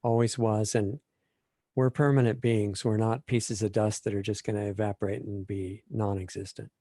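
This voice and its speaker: A man speaking as a guest in a spiritual interview, calm, measured and reflective. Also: on the low side, no room sound.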